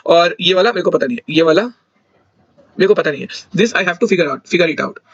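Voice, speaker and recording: High-voiced young man talking through solutions. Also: animated, moderate pace, fairly bright tone, husky, no room sound, lo-fi sound. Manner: thinks aloud, corrects himself mid-sentence. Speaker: exam solution tutor. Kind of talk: casual explanatory walkthrough.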